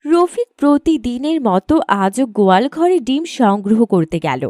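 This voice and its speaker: Female storyteller for children's cartoon narration: high, animated pitch, dry sound. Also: normal speed, no room sound.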